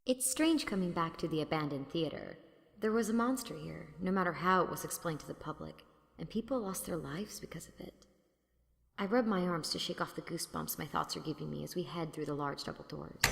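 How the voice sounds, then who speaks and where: A woman's voice: mid-range voice, a little hiss or hum, close to an everyday voice. A woman playing an exasperated, sarcastic heroine who also narrates an audio drama, blunt in manner. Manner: sardonic, blunt. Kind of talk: audio drama acting with first-person narration.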